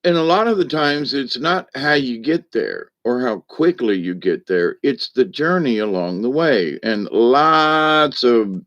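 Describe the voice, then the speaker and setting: A man's voice: medium pitch, expressive, measured pace, few pauses, a bit bright, lo-fi sound. A man hosting a livestream as a shaman, talking in a folksy, meandering way with many asides to his viewers. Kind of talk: rambling spiritual talk to viewers.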